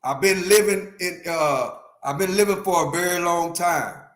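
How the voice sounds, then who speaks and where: A man's voice: high voice, moderate pace, fairly bright tone, reverberant. Emphatic fifty-something man ranting to chat. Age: 50s. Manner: emphatic, repetitive, talks to chat. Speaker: livestream host. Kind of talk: opinionated livestream rant.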